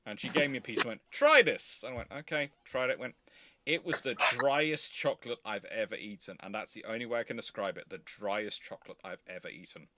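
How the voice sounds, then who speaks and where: A man's voice: medium pitch, a little fast, sharp tone, slight background noise. A man giving casual live commentary, explaining things emphatically and repeating himself to qualify each point carefully. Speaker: host of naval history live Q&A.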